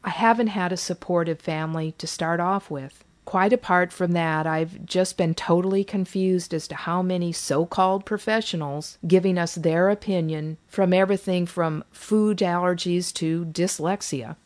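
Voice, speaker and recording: A woman's voice: lowish voice, fairly even intonation, normal speed, few pauses, darkish tone, lightly acted. A woman reading the lines of a weary, sarcastic mother who is defensive and exasperated about repeating her family history in therapy.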